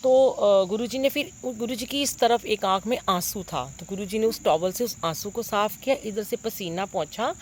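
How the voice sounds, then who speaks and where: A middle-aged woman, a devotee, shares a dream with a congregation as devotional storytelling, sounding earnest and full of wonder, with lots of pauses and fillers. Her voice is medium-pitched. A phone propped nearby records her, picking up slight background noise.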